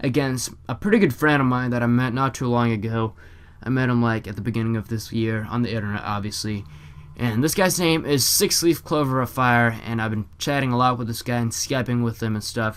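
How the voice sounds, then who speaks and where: Here a man talks at a fairly quick pace. His pitch is medium, with ordinary pitch variation. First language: not English. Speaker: gaming YouTuber. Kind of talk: gameplay commentary. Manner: casual, filler-heavy.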